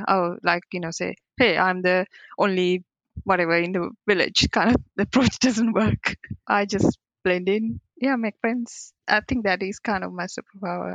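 A woman's voice: lowish voice, gravelly, fairly bright tone, no room sound, highs cut off. A woman in her forties, a cybersecurity professional, giving candid, reflective interview answers in non-native phrasing and laughing often. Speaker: cybersecurity professional, podcast guest.

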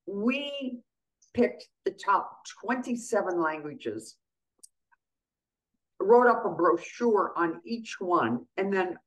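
An older woman, a guest on a radio interview, who grew up speaking Greek at home and tells her stories in a lively way, acting out the exchanges she quotes. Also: mid-range voice, rough recording. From USA. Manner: animated storyteller, acts out quoted exchanges. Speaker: guest, county treasurer.

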